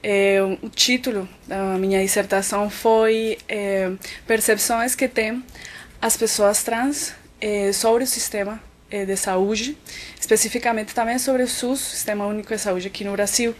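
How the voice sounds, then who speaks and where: A woman's voice: mid-range voice, steady tone, measured pace. A woman from Colombia, a physician and researcher with a Colombian Spanish accent, giving an academic web lecture with frequent filler words. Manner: thoughtful, many "então" and "é" fillers while explaining.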